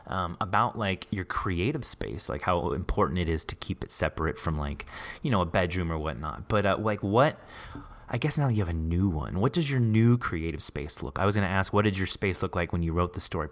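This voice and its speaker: A man's voice: low voice, expressive, a little fast. A man hosting a podcast interview in a casual, enthusiastic, informal way, with rambling questions. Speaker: podcast host interviewing a writer.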